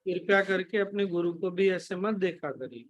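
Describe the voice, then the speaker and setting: A man's voice: high voice, normal speed, no echo, lo-fi sound. A man giving a spiritual discourse and answering questions, speaking firmly and lecturing, cutting off objections. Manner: firm, lecturing, cuts off objections. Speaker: spiritual teacher.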